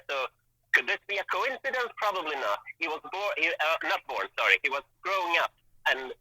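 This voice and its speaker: A man's voice: fairly high pitch, big pitch swings, brisk, bright, forceful tone, no echo, rough recording. A man whose first language is Hebrew, explaining word meanings in a casual chat over a call, thoughtful and hesitant with many restarts. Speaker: guest language expert.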